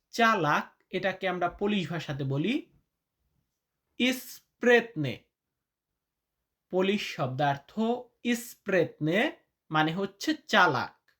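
A man teaching vocabulary in a lesson, repeating each word slowly and deliberately, chatty and calling his listeners brother. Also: high voice, a bit bright. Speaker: language teacher.

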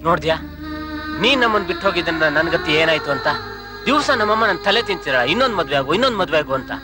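A man's voice: a little high, expressive, quick pace, music in the background, close to an everyday voice. An actor playing a widowed father, talking with his mother and to himself in a film scene. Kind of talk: film acting.

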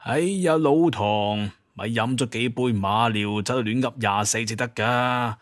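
A man's voice: mid-range voice, unhurried, close to an everyday voice. A man playing a stern, irritable older father, scolding in a Cantonese audio drama. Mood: irritated.

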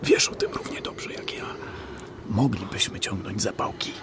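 An actor playing a ruthless, pragmatic starving survivor in a radio play, dramatic and often hushed. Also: male voice, deep voice, moderate pace, in a whisper. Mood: conspiratorial, cold. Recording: noisy radio drama recording.

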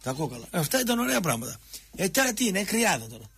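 A Greek man rants on a radio talk show, pressing hard and circling back to the same jabs at a co-host. His voice sits high and a little husky. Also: big pitch swings, a bit bright. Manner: impassioned, repetitive, jabbing at a co-host.

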